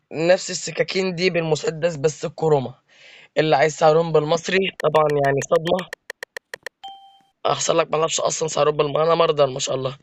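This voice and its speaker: A man's voice: fairly high pitch, lo-fi sound. A man with an Egyptian accent giving live gameplay commentary, complaining to his viewers in an exasperated, joking way. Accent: Egyptian Arabic. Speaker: gaming video creator.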